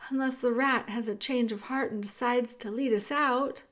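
A woman voicing a gentle, sympathetic young captive princess in a storybook, speaking softly and earnestly. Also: on the high side, steady tone, moderate pace, lightly acted. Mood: anxious. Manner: soft, earnest.

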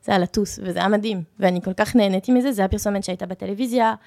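Here the French-accented young woman has a mid-range, slightly mellow voice with some vocal fry. As a content creator being interviewed, she tells stories in a loose, chatty manner.

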